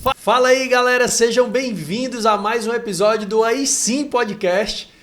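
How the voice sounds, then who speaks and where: Upbeat high-voiced male podcast host. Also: normal speed, background noise. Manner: upbeat, enthusiastic introductions. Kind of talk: podcast hosting and interviewing.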